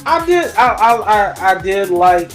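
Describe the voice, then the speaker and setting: A man co-hosts a casual fan review. He rambles excitably in slangy, conversational phrases. Soft music sits behind his voice. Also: sits high, a little slow. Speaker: movie review co-host.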